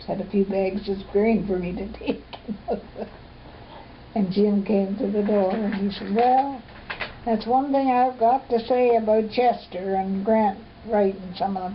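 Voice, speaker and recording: A woman with an Ontario accent speaks at a fairly slow pace and a medium pitch, leaving long, frequent pauses. Noticeable background noise runs behind her. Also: fairly even intonation. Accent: rural Ontario Canadian. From Ballinafad, Ontario, Canada. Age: 80s+. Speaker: farm woman. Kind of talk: oral history interview answer.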